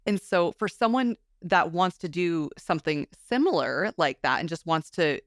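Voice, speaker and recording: An enthusiastic podcast host with a mid-pitched voice responds warmly to a guest's story, sometimes stumbling over repeated words. The recording is dry and close. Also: lively intonation, normal speed, no room sound. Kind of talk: interview chat.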